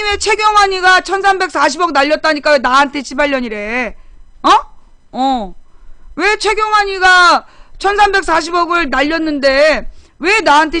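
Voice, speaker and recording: A woman with a high, sharp voice hosts a political live-stream in a casual, talky way. She scolds commenters bluntly, with a sarcastic edge. Her voice sounds dry and close, with no room echo. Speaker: political talk show streamer.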